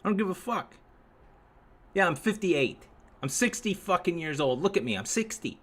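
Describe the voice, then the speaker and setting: A man's voice: sits high, lively intonation, normal speed, a bit bright. A man hosting a live stream, chatting to viewers in a rambling, sarcastic and profane way. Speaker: livestream host.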